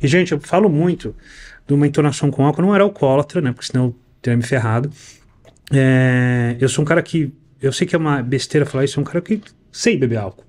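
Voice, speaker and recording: A man's voice: medium pitch, fast talker. A man hosting a podcast in casual chat, telling frank stories and acting out what other people said. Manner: animated storyteller, quotes people in their own voices; slangy and frank. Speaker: podcast host.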